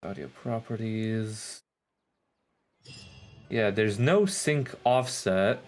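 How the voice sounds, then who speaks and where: Slow-paced man casually streaming a game. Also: fairly low pitch. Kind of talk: casual live-stream commentary. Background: game music.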